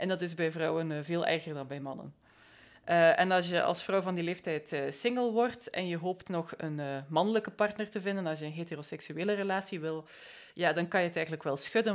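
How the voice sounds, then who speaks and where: A woman's ordinary speaking voice, fairly low in pitch, with ordinary pitch variation and a fairly quick pace. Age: 30s. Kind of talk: casual chat. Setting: home studio.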